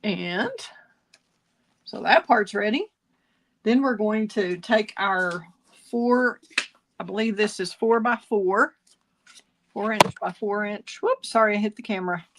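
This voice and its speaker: A woman's voice: mid-range voice, slow, pauses often, noisy background. A woman teaching card making in a casual tutorial, chatty and self-correcting, with a slight cough now and then. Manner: chatty, self-correcting, laughs at own jokes.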